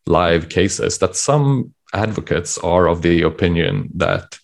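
A man co-host in a casual panel discussion, explaining points in a measured way and reading out passages of guidelines. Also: low voice, expressive, gravelly. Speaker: podcast co-host.

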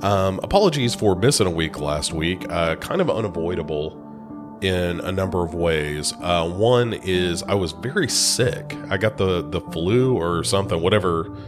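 A man's voice: low-pitched, animated, unhurried, over music. A man from the United States hosting a podcast, a bit congested from a cold, talking casually with lots of ums and restarts. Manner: rambling, many fillers and restarts. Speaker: podcast host.

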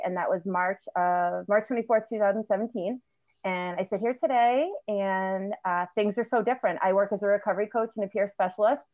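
A woman's voice: mid-range voice, dry recording. Woman over a tinny phone-like line. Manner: candid, halting, many fillers and restarts. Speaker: guest. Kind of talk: emotional personal storytelling in an interview.

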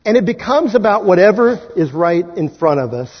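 A man from Kansas preaching from the pulpit in a high, slightly husky voice. He keeps the sermon conversational and often tosses a "right?" out to the congregation. The sound carries the long reverb of a large sanctuary and the dull, lo-fi tone of a livestream. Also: sing-song, brisk. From Kansas, USA. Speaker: pastor. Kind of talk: Easter sermon.

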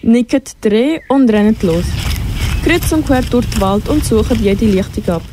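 A woman's voice: on the high side, expressive, moderate pace, background noise. A teenage girl narrating a school radio play, reading the story steadily. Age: teens.

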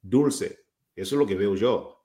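A man's voice: lowish voice, measured pace, background noise. A man hosting a live-stream interview, encouraging and emphatic with his guest. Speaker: host.

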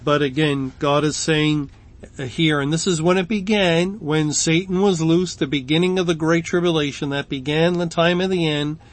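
A middle-aged man teaching through Bible verses in an unhurried, halting way, often restarting words and pausing with fillers. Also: a little high, fairly even intonation. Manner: slow, halting delivery with frequent restarts and fillers.

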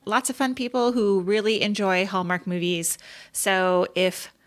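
A woman co-hosting a casual podcast, chatty and expressive, often tossing out questions. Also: medium pitch, measured pace. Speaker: podcast co-host. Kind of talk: casual chat.

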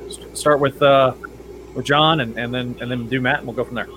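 A man hosting a podcast in casual chat, relaxed and hedging, with plenty of fillers. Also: mid-range voice, a little fast, background noise. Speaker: podcast host.

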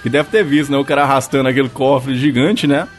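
A man's voice: medium pitch, fast talker, faint music behind. A Brazilian man co-hosting a podcast, playful and slangy as he brings in a news story. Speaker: podcast co-host. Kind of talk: casual podcast banter.

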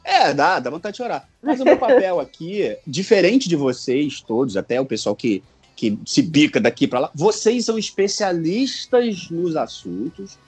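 Husky carioca man chatting casually. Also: fairly high pitch, very animated, moderate pace, few pauses, darkish tone. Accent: Rio de Janeiro Portuguese. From Rio de Janeiro, Brazil. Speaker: podcast guest, online content creator. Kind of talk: casual chat.

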